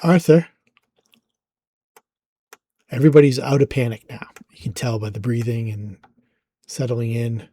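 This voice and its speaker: A man narrating a tabletop game as its game master, easygoing and halting, with many fillers. His voice sits in a middle range and is recorded close and dry, with no room sound. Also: medium pitch, fairly even intonation, mellow, breathy edge, no echo.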